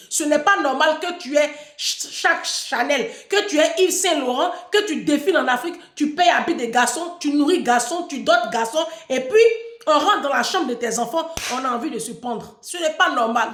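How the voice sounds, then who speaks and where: A woman with a high voice lectures her followers in a loose, unscripted monologue. She scolds with emphasis and keeps repeating words to drive points home. The room around her sounds echoey. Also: fairly bright tone. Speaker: online personality addressing followers.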